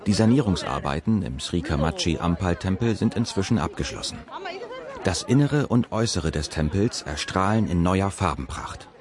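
A man with a very low voice narrates a documentary. His reading is calm and measured. He voices a scripted report.

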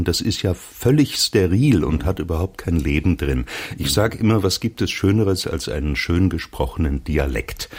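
An older man, a retired radio newsreader from Mainz with a light Mainz accent, speaking articulately and with lively emphasis in a radio interview. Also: deep voice, slightly rough. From Mainz, Germany. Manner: trained, articulate broadcast delivery with lively emphasis. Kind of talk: radio interview over a line.

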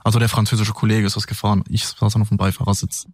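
A man's voice: on the low side, level tone, racing, music in the background. A man who serves as a police officer, describing his work in a matter-of-fact, practical way. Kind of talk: interview answers.

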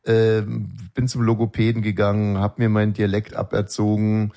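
A man's voice: fairly low pitch, monotone, normal speed, warm tone. A man co-hosting a podcast and radio show, bantering casually in a rambling, ironic way with many filler sounds. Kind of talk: casual banter between co-hosts.

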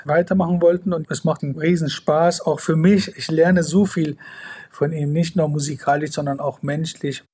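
A man, talking in an unhurried, thoughtful way in an interview over a video call. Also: on the high side, steady tone, darkish tone, husky. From Iran. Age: 40s. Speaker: interviewee, composer and manager. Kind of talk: casual interview talk. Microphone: online video call.

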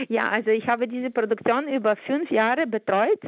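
A Ukrainian-accented woman in her forties speaks over a tinny, narrow-band telephone line with a dry sound. She is a conductor guest, talking fluently but with frequent fillers, small restarts and searching pauses, and German is not her first language. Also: fairly high pitch, dry recording. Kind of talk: phone interview.

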